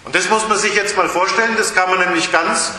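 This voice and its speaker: A male pastor preaching a lively sermon at a baptism service in a church, shifting his emphasis and acting out voices in quotes. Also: high voice, a little fast. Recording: very echoey church hall, faint hiss.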